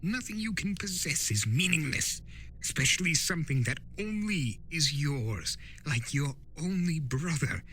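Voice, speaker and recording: A man voicing an impassioned, scolding male spirit of chaos with theatrical, drawn-out emphasis in a dramatic story reading. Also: a little high, expressive, sharp tone, slight background noise, pitched above the performer's own voice. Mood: knowing, lecturing. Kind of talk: dramatic fan-fiction reading.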